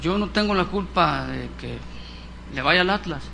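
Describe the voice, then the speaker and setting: A Mexican man in middle age delivers a sermon in a church, voicing little scenes as he goes. His voice sits high and bright. Faint background noise runs under the recording. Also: normal speed, creaky. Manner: animated, acts out dialogues in voices. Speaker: preacher.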